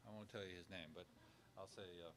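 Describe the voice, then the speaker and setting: Halting, chatty man teaching. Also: sits low, steady tone, a bit bright, a little hiss or hum. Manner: unhurried, halting with many fillers, acts out sample dialogue. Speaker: church caregiving trainer. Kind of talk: conversational teaching talk.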